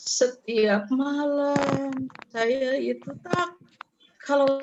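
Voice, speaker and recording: A woman speaks at a high pitch. The pitch moves up and down in an ordinary way. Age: 60s. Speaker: workshop participant. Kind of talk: sharing personal experience in online session. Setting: online video meeting.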